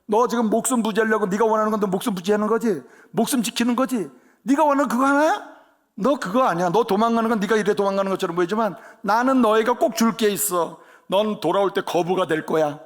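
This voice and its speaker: A man voicing God, who speaks calmly and reassuringly to a sleeping person. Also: sits high, fast, lightly acted. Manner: calm, assuring, fatherly.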